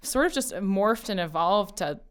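A woman's voice: medium pitch, expressive, normal speed, clear, resonant tone. A woman whose first language is Farsi, a family lawyer talking casually as an interview guest, laughing easily and quoting her parents. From Colorado, USA.

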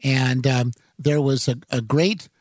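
Into a studio microphone, a male talk radio host delivers rambling, halting news commentary stuffed with fillers and self-corrections. His mid-range voice is darkish and steady in tone, and the recording is dry.

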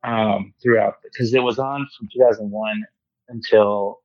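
A man's voice: on the low side, fairly even intonation, moderate pace, a little mellow, dry recording. A man calling in to co-host a casual chat, his voice coming through a muffled phone line that sounds like a wind tunnel as he talks in an eager, rambling way. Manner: eager, rambling fan talk. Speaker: podcast co-host. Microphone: phone call.

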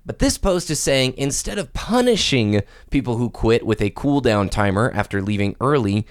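A man hosting a casual gaming podcast, talking in a chatty, easygoing way with a mid-pitched voice. He sits close to the mic in a dry, dead room with no echo. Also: lively intonation, moderate pace, clear, resonant tone. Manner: chatty, reads listener posts aloud. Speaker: podcast host.

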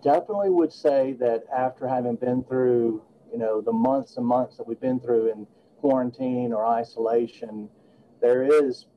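A man's voice: mid-range voice, moderate pace, lo-fi sound, a little hiss or hum. A man in his late fifties, a guest attorney talking earnestly and reflectively in a podcast interview. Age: 50s.

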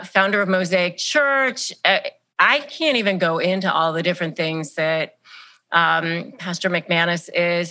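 A woman's voice: on the low side, sharp tone. A woman hosting a podcast, speaking in an effusive, emphatic way as she introduces and questions her guest. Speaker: podcast host.

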